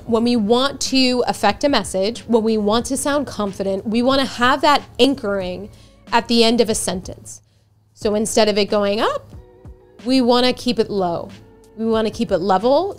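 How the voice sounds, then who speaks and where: A woman teaches viewers how to come across on video, talking casually and gushing in her asides. Her voice sits a little high and carries a natural vocal fry. Soft music plays faintly under her. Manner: chatty and enthusiastic, gushing asides. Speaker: video presence coach.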